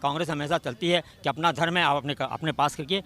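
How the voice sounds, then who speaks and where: A man's voice: a little high, fast, pushed and bright. A man in a street interview, earnestly laying out political talking points as if giving a speech. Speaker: party supporter interviewed.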